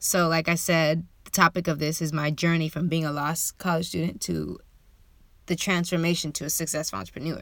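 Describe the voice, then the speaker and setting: Delivered at a fairly quick pace in an American accent, the speech has monotone, flat intonation on a very clean recording with a silent background. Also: woman, fairly low pitch for a woman. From San Diego, California, US. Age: 20s. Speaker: podcast host, aspiring entrepreneur. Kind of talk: personal monologue podcast. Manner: casual, filler-heavy.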